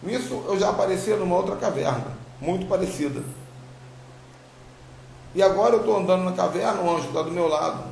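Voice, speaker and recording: A slightly tongue-tied Brazilian apostle and religious teacher gives online followers his personal spiritual testimony, telling it informally and emphatically with plenty of repetition. His gravelly, higher voice is a little mellow and fairly quick, broken by frequent pauses. Faint noise and a roomy echo fill the space.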